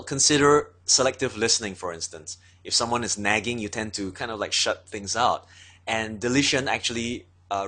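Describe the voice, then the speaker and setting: A man teaches in a steady lecturing manner, often pausing on fillers as he works through his points. His voice sits on the lower side but carries a bright, forceful edge. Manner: steady explaining with frequent fillers. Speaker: instructor. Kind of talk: explanatory lecture.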